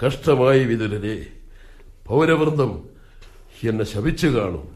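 A man's voice: medium pitch, expressive, slow pace. A man playing an aging, anxious king who questions his advisor with suspicion in a radio play. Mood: troubled. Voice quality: wary, probing, troubled. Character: blind old king Dhritarashtra, anxious and suspicious. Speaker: radio drama actor. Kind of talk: 1980s Malayalam radio drama acting.

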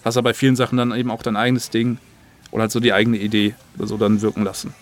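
A man speaks quickly in a flat, even tone as an interview guest. His talk is casual and colloquial, running on in rambling sentences. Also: lowish voice. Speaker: interview guest, audio drama producer. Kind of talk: casual chat.

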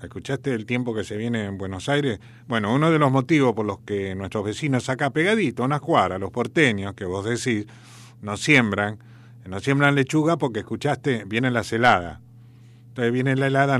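A man's voice: mid-range voice, animated, moderate pace, fairly bright tone. A man with an Argentine accent hosting a radio show, rambling in a chatty, folksy storytelling way. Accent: Argentine Spanish. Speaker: radio host. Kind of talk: casual radio chat.

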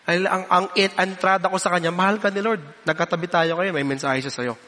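A man preaches to a congregation with a high, bright voice, telling stories and acting out the people in them as he goes. His sermon rings through a big hall with a long reverb. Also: steady tone, fairly quick. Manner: storytelling, switching between English and Filipino, acts out quoted voices. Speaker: pastor.

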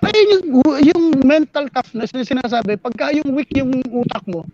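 A man's voice: very high voice, big pitch swings, normal speed, a little mellow, muffled recording, a little hiss or hum. A man co-hosting a casual talk show, mixing English phrases into his speech and often asking "di ba". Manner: mixes English into talk, repeats "di ba". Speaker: podcast co-host. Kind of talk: casual chat.

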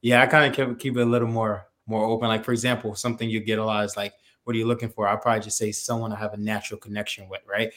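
Give me a relaxed man host, slightly low voice, chatting with loose filler words. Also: very fast, few pauses. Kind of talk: casual chat.

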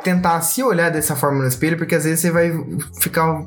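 A man with a Brazilian accent, chatting casually as a podcast co-host, slangy and animated, often mimicking voices for a joke. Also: fairly high pitch, quick pace, faint music behind.

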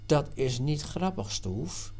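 A man reading aloud and voicing Jan, an adult man and worldly former trader who explains things earnestly and loudly. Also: fairly high pitch, expressive, slow pace, exaggerated voice.

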